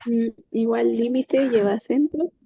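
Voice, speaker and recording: A woman's voice: fairly high pitch, measured pace, creaky, breathy edge, no room sound, muffled recording. A woman student answering questions in an online lesson, hesitant and thinking aloud with little hums.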